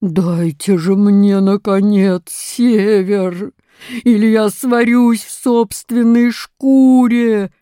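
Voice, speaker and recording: A woman voicing a grumpy, threatening white bear that roars its demands slowly and loudly in an audiobook story. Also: medium pitch, fairly even intonation, clean tone, no echo, clean studio sound. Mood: roaring. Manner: loud, slow growling.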